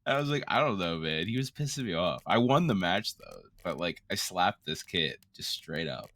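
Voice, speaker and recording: A man's voice: deep voice, very animated, moderate pace, fairly bright tone. A man co-hosting casual gameplay chat, telling rambling, sweary stories. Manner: rambling, profane storytelling. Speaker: gaming co-host.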